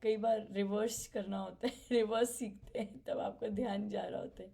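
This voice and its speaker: A woman softly sharing her spiritual learnings at a family gathering, reflective and halting. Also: medium pitch, fairly even intonation, vocal fry. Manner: soft-spoken, reflective, halting with fillers and light laughs. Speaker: satsang participant sharing experience.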